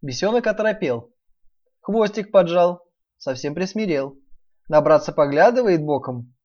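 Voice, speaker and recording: A woman's voice: lowish voice, lively intonation, moderate pace. A woman narrating a rhymed fairy tale expressively as a storyteller. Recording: dull lo-fi recording.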